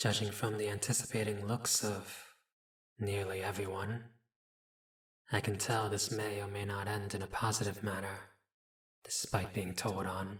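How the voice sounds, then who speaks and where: A man puts on a raspy character voice at a fairly low pitch, speaking in a calm tone with monotone, flat intonation at a moderate pace and leaving long, frequent pauses. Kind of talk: audio roleplay, boyfriend experience. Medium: role play. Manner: calm, reserved, soft-spoken.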